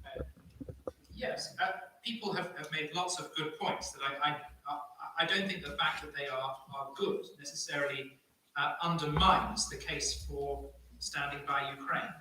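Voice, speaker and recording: A man speaking as a panelist, arguing a point in halting phrases with repeated words. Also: a little high, steady tone, bright, forceful tone, a little hiss or hum. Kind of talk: impassioned debate argument. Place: live panel event in an echoey room. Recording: very echoey room, distant microphone.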